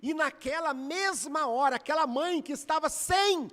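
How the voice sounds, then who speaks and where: A man's voice: very high-pitched, moderate pace, bright, forceful tone. A Brazilian man preaching in a church, retelling a story with dramatic, emotional intensity. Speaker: pastor. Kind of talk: storytelling sermon. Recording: echoey church hall.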